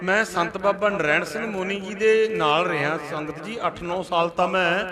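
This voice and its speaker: A man's voice: high voice, fairly even intonation, normal speed, a crowd in the background. A man preaching a religious sermon to a congregation, telling stories with rhythmic, repeated refrains. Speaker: Sikh preacher. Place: outdoor religious gathering.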